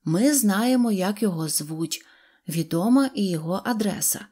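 A woman voicing a shy little rag toy dog, mellow and eager. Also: mid-range voice, animated, normal speed, breathy edge.

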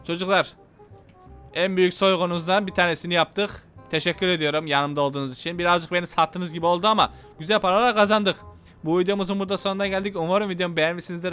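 A young man hosting a gaming channel, narrating his gameplay in an excitable, slangy way, shouting and repeating himself. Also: high-pitched, racing, clean tone, soft background music. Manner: casual slangy banter with teammates. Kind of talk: gameplay commentary.

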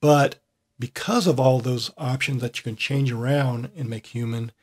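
A man hosting a casual screen-recorded tutorial, his voice at an ordinary middle pitch. He thinks aloud as he works, loose and unhurried. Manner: thinking aloud with fillers and restarts, relaxed. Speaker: software tutorial host.

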